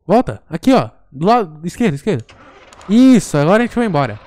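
A man's voice: sits high, very animated, quick pace, darkish tone, no room sound, studio quality. A man playing a horror game with a friend, urgently repeating orders and guiding his partner. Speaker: gamer host. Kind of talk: frantic horror game co-op chat.

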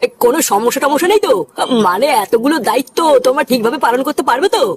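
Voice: high voice, expressive, racing, background noise, voice pushed down. A performer voicing a polite older man, a bride's father, asking carefully about hiring caterers in a comic cartoon. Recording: loud background music. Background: music.

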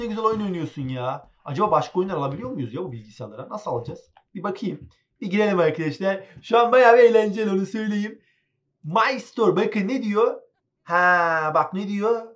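A man chatting excitably as he plays a game, talking to his viewers and to the game characters. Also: high voice, dull audio. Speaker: gaming channel host. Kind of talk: casual let's-play commentary.

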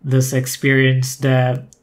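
A man's voice: medium pitch, completely flat delivery, slow pace. Podcast guest, male, conversational, thoughtful, frequent restarts. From Brazil. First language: Portuguese. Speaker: guest, former community manager.

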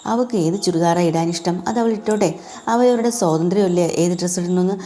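A woman's voice: fairly low pitch, fairly quick, warm tone, natural voice. A woman playing a firm, lecturing father. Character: reformed middle-aged father defending his daughter.

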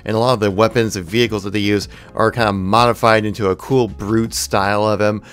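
Male gaming channel host, fairly low pitch, informal and keen, light music underneath. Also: steady tone, fast, a bit bright, clear, resonant tone. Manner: enthusiastic, informal. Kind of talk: gaming news commentary.

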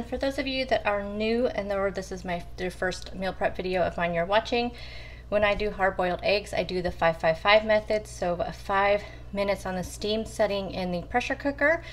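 A woman walks her viewers through her weekly meal prep in a relaxed, chatty way, talking straight to them as she works. Her voice sits at a middle pitch. The kitchen recording carries a faint background hiss. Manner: chatty, talks to viewers as "you guys". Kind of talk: casual cooking walkthrough. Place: home kitchen counter.

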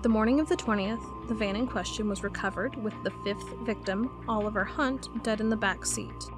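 A woman's voice: mid-range voice, fairly quick, over music, natural voice. A woman playing an inquisitive FBI cold case agent in an audio drama. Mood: matter-of-fact. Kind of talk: audio drama acting, reading case files aloud.

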